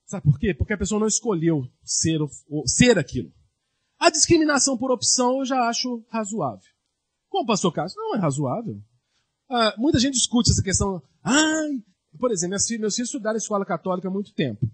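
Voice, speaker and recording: Male pastor, sermon delivery; high, husky voice, lively rhetorical questions. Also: fast talker.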